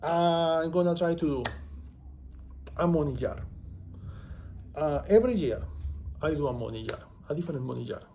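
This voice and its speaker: Man, Venezuelan Spanish accent, native Spanish speaker, casual vlog chat, gravelly, mellow. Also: on the high side, expressive, moderate pace, pauses often, slight background noise. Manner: chatty, digressive, self-deprecating. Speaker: author and vlogger.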